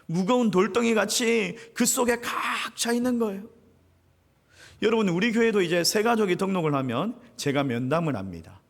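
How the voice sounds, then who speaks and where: A man's voice: sits high, lively intonation, normal speed, gravelly. A male senior pastor preaching a sermon, telling a story and addressing the congregation directly. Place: church sanctuary. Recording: reverberant church sanctuary.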